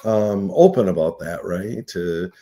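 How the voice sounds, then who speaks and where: Earnest sixty-five-year-old man, mellow low voice. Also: unhurried. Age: 60s. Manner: reflective, earnest, uses "right?" often. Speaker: nonprofit CEO, guest. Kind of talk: casual radio interview.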